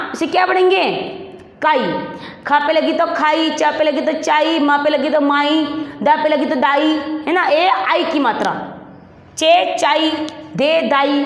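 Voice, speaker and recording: High-voiced woman teacher drilling slowly. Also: fairly bright tone. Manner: slow, repetitive drilling, calls pupils "beta". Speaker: primary school Hindi teacher. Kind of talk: classroom lesson on vowel signs. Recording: echoey room, long reverb.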